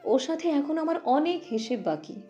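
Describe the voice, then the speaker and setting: A woman's voice: sits high, animated, normal speed, voice pushed up. A woman voicing a cruel, sadistic young female captor who taunts in a cold, mocking way. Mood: contemptuous. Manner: cold, mocking, taunting with sudden sharp jumps. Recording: muffled audio with background music.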